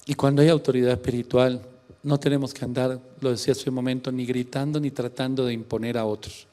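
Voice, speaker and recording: Male pastor, mid-pitched voice, impassioned sermon delivery, hushed to emphatic. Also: flat delivery, quick pace. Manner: impassioned preaching, swinging between hushed and emphatic.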